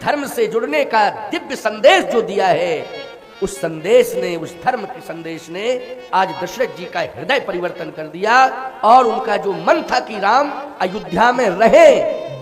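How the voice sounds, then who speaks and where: A man with a high voice preaches a devotional sermon, putting rhetorical questions to his audience. The sound rings with a long hall reverb. Music with tabla plays clearly behind him. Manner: rhetorical questions to the audience, breaks into slow song. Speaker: preacher of Ramayana katha. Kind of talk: devotional sermon with sung chaupais.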